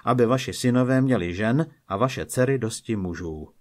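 Gentle, kindly old Lord God in a storybook legend, read by a man in his plain voice, calm delivery, middle pitch. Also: lightly acted.

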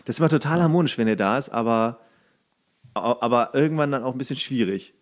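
A man co-hosting a casual podcast chat, joking around and laughing often. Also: fast. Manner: laughing, jokey, acts out quotes in a high voice. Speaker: podcast co-host.

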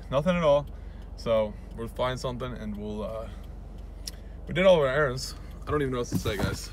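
A man in his thirties rambling casually to a camera close by while sitting in a car. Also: medium pitch. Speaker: vlogger. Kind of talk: casual rambling vlog chat. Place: inside a car. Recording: car and street noise behind voice.

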